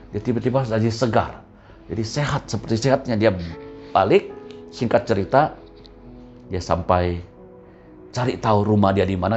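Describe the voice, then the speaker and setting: A male pastor, preaching a storytelling sermon and acting out the voices of the people in his story. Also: on the low side. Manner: vivid storyteller who acts out the voices of his characters. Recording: muffled recording with soft music behind.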